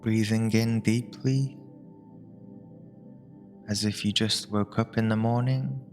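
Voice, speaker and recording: A man narrating a guided meditation in a soothing, measured way, leaving long pauses between short phrases. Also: lowish voice, steady tone, darkish tone. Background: meditation music with binaural tones.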